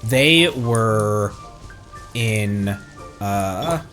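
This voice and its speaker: An American man chatting casually on a game livestream in a rambling, halting way. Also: lowish voice, expressive, a bit bright. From American Midwest and Tornado Alley region. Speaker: game streamer. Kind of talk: casual livestream chat over gameplay. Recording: game music behind the voice. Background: video game music.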